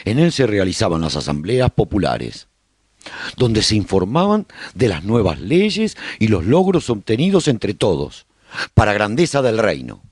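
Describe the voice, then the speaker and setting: Post-apocalyptic radio chronicler, highly varied melody, slightly husky voice, dry close sound, proud and hopeful, measured storytelling. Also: male voice, a little mellow, dry recording. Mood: fond, upbeat. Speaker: narrator and radio announcer. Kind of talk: scripted radio drama narration.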